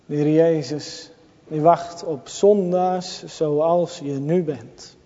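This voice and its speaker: A man preaching a sermon, earnest and pleading, dropping to a hush on key words. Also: a little high, steady tone, slow. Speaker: pastor. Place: church. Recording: dull sound with long church reverb.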